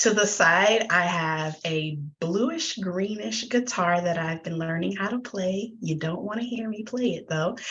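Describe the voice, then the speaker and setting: Against noticeable background noise, a woman at medium pitch speaks fairly slowly with lively intonation and hardly any pauses. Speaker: workshop presenter. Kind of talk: webinar presentation. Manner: careful enunciation.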